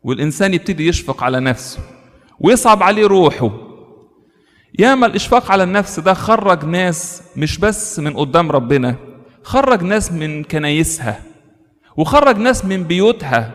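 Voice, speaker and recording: High-voiced Egyptian priest preaching. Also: male voice, brisk, long reverb tail. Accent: Egyptian Arabic. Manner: animated preaching, acts out tempting voices. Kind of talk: sermon.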